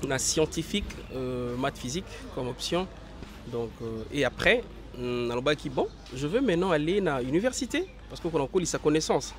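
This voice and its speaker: A young man from Congo with a hoarse voice from a cold, answering interview questions outdoors in a halting, filler-heavy way. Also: mid-range voice. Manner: hesitant, many fillers and restarts. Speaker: interview guest, actor. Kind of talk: casual interview, mixing French and Lingala.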